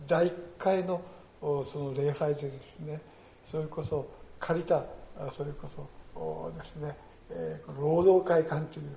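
Older man preaching with a gravelly voice. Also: a little high, warm tone, a little hiss or hum. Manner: earnest storytelling, peppers phrases with "desune". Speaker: pastor. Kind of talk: sermon. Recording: echoey church hall.

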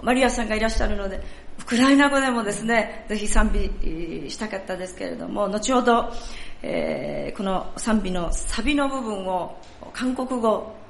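A woman's voice: mid-range voice, vocal fry. Polite woman leading a church service. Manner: polite, formal, measured. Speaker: church worship leader. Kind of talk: sermon talk at a church service. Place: church sanctuary. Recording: echoey church hall, faint noise.

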